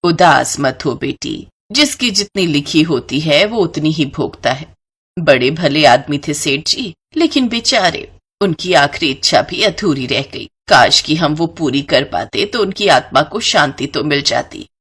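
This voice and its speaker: A woman's voice: sits low, lively intonation, a little slow, fairly bright tone, breathy edge, heavily acted. A woman voicing a greedy, scheming middle-aged maidservant with sugary, coaxing talk in a cartoon story.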